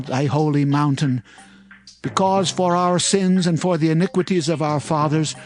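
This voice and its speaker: A man playing a devout Hebrew prophet in a dramatized Bible reading, praying in a solemn, imploring, declamatory way. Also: high voice. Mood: anguished, pleading. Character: Daniel, devout Hebrew prophet pleading penitently with God. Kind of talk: dramatized scripture reading, archaic English. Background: music.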